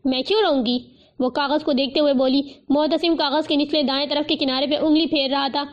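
High pitched lady reading a novel aloud, steady and expressive, kinda muffled lo-fi sound. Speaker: narrator. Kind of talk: audiobook narration of a novel.

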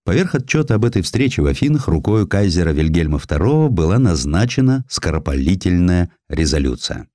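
A man narrating a scripted historical essay as an audiobook, telling it in an expressive, measured, literary manner. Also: low-pitched, dry recording, clean studio sound. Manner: expressive, measured storytelling delivery.

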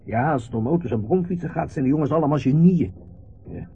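An actor playing an irritable, overstrained middle-aged factory owner in a radio play, curt, dismissive and sometimes hesitant. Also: male voice, a little high, lively intonation, fast, husky, soft background music, full character voice. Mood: dismissive, wry. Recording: dull, hissy old radio play recording.

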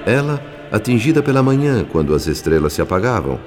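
A man with a Brazilian accent narrating a radio soap as a solemn witness, grave, theatrical and measured. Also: fairly low pitch, big pitch swings, music in the background. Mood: grave, wistful. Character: solemn male spirit narrator recounting a tragedy.

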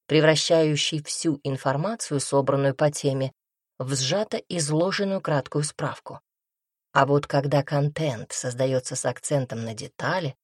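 A woman reading a nonfiction book aloud as a narrator, in a measured, even way. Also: low voice, no room sound, clean studio sound. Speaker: audiobook narrator.

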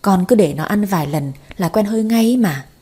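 A woman's voice: mid-range voice, expressive, a little fast, dark tone, husky. A woman voicing a blunt, worldly older mother who coaxes and schemes, read in an audio story. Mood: coaxing. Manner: blunt, coaxing.

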